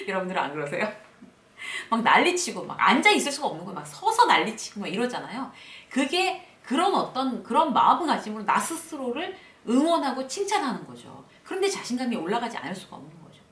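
A woman host giving a casual spoken lesson on workplace confidence, acting out upbeat self-talk in a lively way. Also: on the high side, fast talker, roomy sound, recorded from a distance. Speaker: workplace lecturer and channel host.

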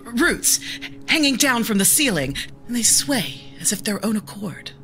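A woman voicing a mystic who leads a seance, speaking in a solemn, hushed, incantatory way. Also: fairly high pitch, big pitch swings, measured pace, faint music behind, full character voice. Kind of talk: audio drama acting.

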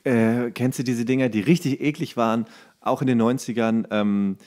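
A man's voice: mid-range voice, steady tone, normal speed, a little mellow. A man co-hosting a podcast in casual comedic chat, talking in a crude, colloquial, jokey way. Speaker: podcast co-host.

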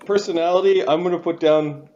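A man's voice: fairly high pitch, fairly even intonation, a little fast, darkish tone. Game master, man in middle age, casual narration, slightly dull online-call sound. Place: indoor room, video call.

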